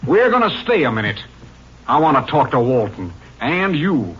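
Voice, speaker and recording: Blunt radio-drama lawman, hard-edged and rough-voiced, dull vintage recording. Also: mid-range voice, sing-song, normal speed, fairly bright tone, full character voice. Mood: accusing. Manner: accusing, blunt, commanding. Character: angry, honest, stubborn county sheriff. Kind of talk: 1950s radio drama acting.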